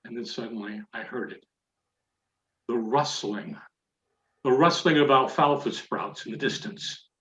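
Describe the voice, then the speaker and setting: A man telling a mock-serious tall tale as a theatrical storytelling speech, with dramatic pauses and deliberate phrasing. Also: mid-range voice, fairly bright tone. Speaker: Toastmasters contest speaker telling a tall tale. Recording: echoey room, dull muffled audio.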